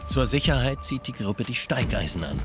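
A man giving calm, measured scripted narration for a documentary, recorded as a studio voice-over. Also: mid-range voice, over music.

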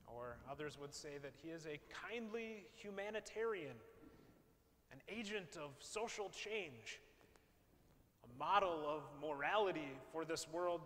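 A male pastor, preaching from a pulpit in a large church, measured and posing rhetorical questions. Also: a little high, lively intonation, a bit bright. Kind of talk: sermon. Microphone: far camera, pulpit mic. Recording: long church reverb, faint hiss.

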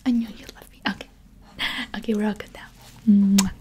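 A woman's voice: medium pitch, little pitch movement, fairly quick, background noise. A woman in her twenties whispering a chatty, playful ASMR roleplay up close to the microphone. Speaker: ASMR video creator.

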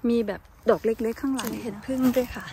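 A woman with a high, bright-toned voice talks straight to her viewers as she walks through a forest. She is easily excited and often lets out little squeals and exclamations. Her voice comes through a handheld phone with a faint hiss behind it. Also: fast talker. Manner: excitable, squeals and exclaims when finding mushrooms. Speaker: vlogger. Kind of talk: casual outdoor vlog narration. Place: outdoors in a forest.

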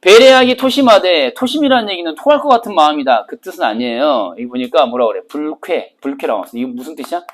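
A man's voice: mid-range voice, big pitch swings, quick pace, few pauses. A middle-aged man teaching literature for an exam, joking and firing rhetorical questions at his students. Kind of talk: exam-prep lecture.

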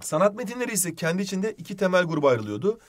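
Male literature teacher, higher-pitched voice, explanatory recap style, talks students through examples. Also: very animated, racing. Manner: explanatory, addresses students as friends, writes on board while talking. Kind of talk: online lesson recap.

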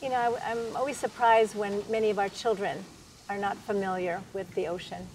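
A woman's voice: medium pitch, steady tone, a little fast, a little mellow, slight background noise, poor audio. A middle-aged woman hosting a TV interview outdoors, upbeat and effusive, on a lapel mic. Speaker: TV show host. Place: outdoors at a seaside aquarium.

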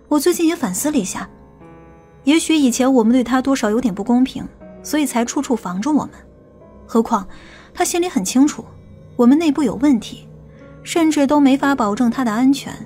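A woman's voice: sits high, normal speed, long pauses, dark tone, soft background music, close to an everyday voice. A woman playing a stern, impatient police detective in an audiobook drama.

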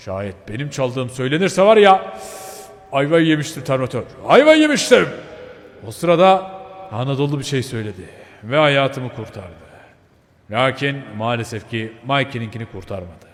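A man's voice: medium pitch, lively intonation, normal speed, big-room sound, lightly acted. A man voicing a white pitbull dog who tells his story with regret, as game role-play narration. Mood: rueful.

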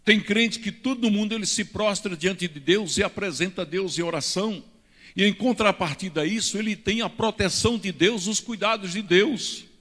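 Emphatic older preacher in a church hall. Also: male voice, sits high, a bit bright. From Brazil. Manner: preaching with emphatic rises and hand gestures. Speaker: pastor. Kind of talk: teaching sermon. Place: church stage at a pulpit. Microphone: handheld microphone.

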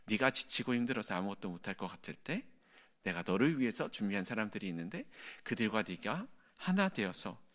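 A man voicing a gentle, comforting God who speaks softly and reassuringly within a sermon. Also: on the low side, big pitch swings, a little fast. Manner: soft, soothing, quieter than his narration.

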